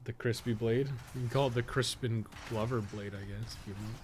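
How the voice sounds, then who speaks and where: Thinking aloud over a game, this man, a streamer and podcast co-host, rambles in a self-deprecating way with some mild swearing, unscripted and casual. His mid-range voice stays fairly even and a little fast, and the background is clearly noisy.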